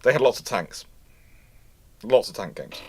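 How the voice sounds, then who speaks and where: Speaking at a measured pace, this man has a mid-range, slightly mellow voice with lively intonation and a breathy edge. He's a naval historian hosting a relaxed livestream, fielding viewer questions and rambling, frequently restating what he says.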